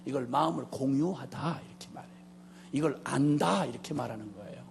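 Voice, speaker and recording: A middle-aged man preaching a sermon as a missionary, telling a story with humor and speaking straight to the congregation, moving between loud and hushed delivery. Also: medium pitch, brisk, vocal fry, slight background noise. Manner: joking, addresses the congregation directly.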